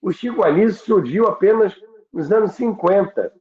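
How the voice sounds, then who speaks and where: High-voiced Brazilian man, phone-like sound. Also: expressive, normal speed. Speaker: radio history commentator. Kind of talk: conversational storytelling. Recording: thin phone-like sound, roomy echo.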